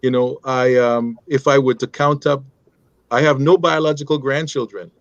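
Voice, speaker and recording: A man's voice: medium pitch, normal speed, no room sound, dull audio. Laughing middle-aged man telling stories. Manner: animated, laughing, many restarts. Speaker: guest. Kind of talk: storytelling in conversation.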